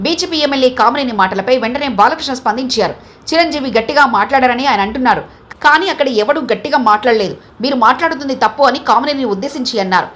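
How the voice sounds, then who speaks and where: A woman reading a scripted news report in a brisk, even newsreader manner. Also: high-pitched. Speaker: news reader.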